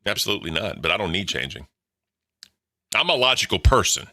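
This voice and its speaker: A deep-voiced man in his thirties hosting a livestream, talking casually in a blunt, profane, rambling way. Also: sing-song, a little fast, sharp tone. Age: 30s. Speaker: livestream host. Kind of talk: casual chat.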